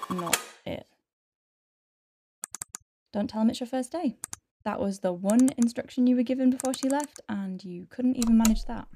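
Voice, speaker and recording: A woman playing an awkward, apologetic new doctor in a science fiction audio drama, hesitant and rambling as she corrects herself. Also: on the high side. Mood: flustered, awkward. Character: nervous rookie woman doctor dictating letters, awkward, apologetic.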